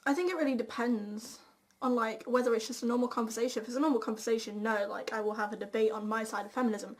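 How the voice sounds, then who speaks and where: A woman's voice: on the high side, steady tone, quick pace. A young woman co-hosting a casual chat, giving her opinions conversationally. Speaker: co-host.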